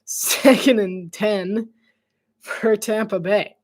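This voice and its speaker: A man calling a game live in a loose, conversational way, wandering into side stories between plays. He laughs often and sometimes drops his voice to a near whisper for quick asides. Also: high-pitched, fairly even intonation, creaky, husky. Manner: chatty, rambling asides, frequent laughs. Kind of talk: casual play-by-play livestream commentary.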